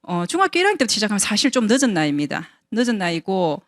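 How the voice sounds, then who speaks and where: A woman's voice: medium pitch, sing-song, very fast, dry recording, clean studio sound. A woman in her fifties giving a personal testimony at a business seminar, talking conversationally and asking the audience rhetorical questions. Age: 50s. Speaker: invited speaker at a business seminar.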